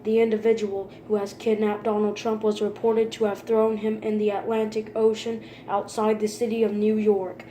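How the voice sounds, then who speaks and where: Flat-voiced woman reading an emergency alert. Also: medium pitch, moderate pace, hardly any pauses. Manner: formal, impersonal, flat delivery. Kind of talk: scripted emergency broadcast announcement. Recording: roomy echo with faint background noise.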